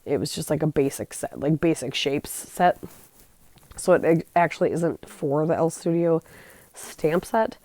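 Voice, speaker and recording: A woman's voice: sits low, unhurried, darkish tone. A woman hosting a scrapbooking channel, narrating her project in a chatty, rambling way that trails off and corrects herself. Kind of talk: casual craft voice-over.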